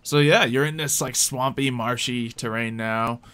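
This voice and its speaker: Bright-voiced man casually narrating a game. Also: mid-range voice, clear, resonant tone. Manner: informal, halting, conversational. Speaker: game master. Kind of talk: improvised narration of a tabletop roleplay game.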